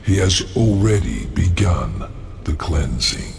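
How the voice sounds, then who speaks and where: Gravelly, low, slow-talking demon lord. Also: male voice, very animated, big-room sound, faint music behind, full character voice. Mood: grave, commanding. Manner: slow, theatrical, imperious. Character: proud, scheming male demon lord. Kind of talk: video game cutscene acting.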